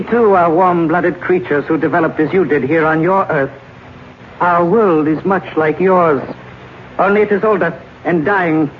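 Man playing a formal, high-pitched alien visitor. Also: close to an everyday voice. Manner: formal, measured speech without contractions. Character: composed male alien visitor from a dying planet. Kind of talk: 1950s radio drama acting. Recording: muffled, noisy old radio recording.

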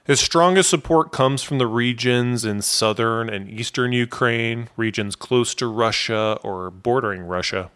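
A man hosting a podcast, reading a scripted history narration in a steady, explanatory way. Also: mid-range voice, smooth. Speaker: podcast host.

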